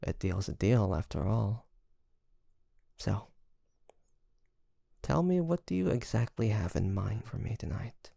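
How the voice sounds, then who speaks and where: A performer plays an ambitious pirate captain in an intimate audio roleplay. The voice is slow and creaky, recorded close and dry. The delivery is teasing and flirtatious, with halting, easily flustered phrasing. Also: mid-range voice, very animated, no echo, heavily acted. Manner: halting, breathy sighs and soft laughs, teasing. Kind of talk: intimate ASMR roleplay acting.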